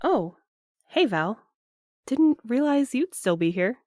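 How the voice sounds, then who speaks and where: A woman's voice: fairly high pitch, big pitch swings, takes it slowly, a little mellow, a little hiss or hum. A woman playing an earnest, hesitant young courier in a naturalistic audio drama, speaking thoughtfully. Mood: uneasy, guarded.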